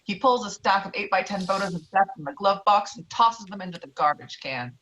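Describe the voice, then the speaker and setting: A woman's voice: mid-range voice, animated, fairly quick, fairly bright tone, a little hiss or hum. A woman narrating stage directions from a screenplay at a virtual table read, recorded over an online call. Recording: dull lo-fi online call audio.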